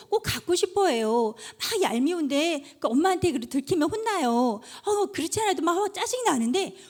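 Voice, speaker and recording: A woman preacher giving a children's sermon, telling little stories and speaking straight to the kids. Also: high voice. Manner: animated storytelling, addresses children directly.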